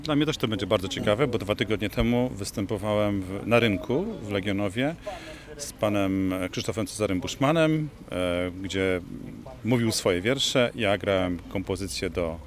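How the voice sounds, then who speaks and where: A man, a musician, speaking calmly in a casual outdoor interview. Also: fairly low pitch, normal speed. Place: outdoor park. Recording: music playing behind.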